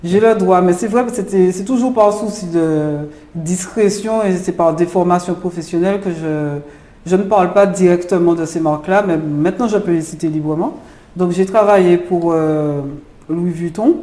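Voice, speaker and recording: A woman's voice: lowish voice, moderate pace, dark tone. A woman from Martinique, a jewelry designer, answering interview questions in a hesitant way with many filler sounds. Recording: roomy echo.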